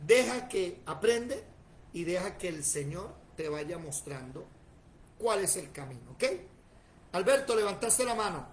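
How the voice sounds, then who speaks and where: A man teaching a Bible class, plain-spoken and animated, turning to his students with questions. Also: sits high, measured pace, slight background noise, low-quality recording.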